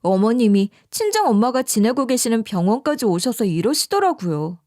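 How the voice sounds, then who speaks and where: Expressive woman narrating a story. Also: on the high side, moderate pace, no echo, studio quality.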